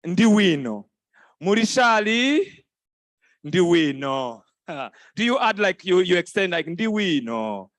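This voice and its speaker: A man hosting a live event on stage, playful and quick to laugh as he teases the crowd into repeating greetings. His voice sits high for a man. The sound is dry and close, with little room echo. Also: sing-song, fairly bright tone. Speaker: event host. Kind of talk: lively crowd interaction. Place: conference hall stage.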